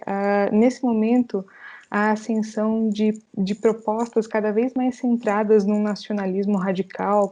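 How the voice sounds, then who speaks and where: A woman with a Brazilian Portuguese accent, a history professor, asking a long measured interview question. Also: mid-range voice, dark tone. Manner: measured, fills pauses with "né?".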